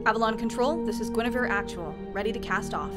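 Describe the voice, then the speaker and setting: Actress playing female naval skipper, higher pitch, serious, measured authority, sci-fi radio play. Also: over loud music, lightly acted. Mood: focused command. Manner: formal, measured, commanding. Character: serious, cautious woman naval starship skipper. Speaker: actor in an audio drama. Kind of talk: dramatic sci-fi audio drama acting.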